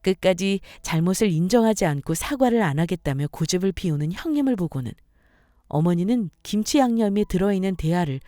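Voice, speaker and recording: A woman narrating a scripted personal story in a calm, composed, firm way. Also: fairly low pitch, fairly quick, no room sound, clean studio sound. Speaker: narrator and main character.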